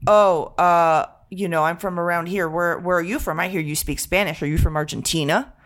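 A woman imitating a rude male French hotel clerk, blunt and accusing, in a slightly lower voice than her own. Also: fairly even intonation, normal speed, natural voice.

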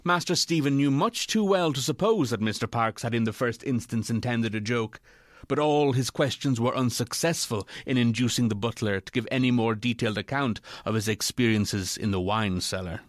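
Male narrator, gothic ghost story. Measured literary read, mid pitch, dry studio-close sound. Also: dry recording.

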